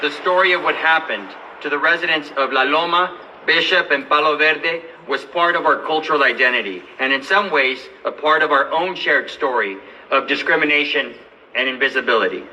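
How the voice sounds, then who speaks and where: A man from Los Angeles, a lawyer and advocate, giving a measured, earnest speech at a press event. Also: fairly high pitch, sharp tone. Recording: distant mic with light background noise.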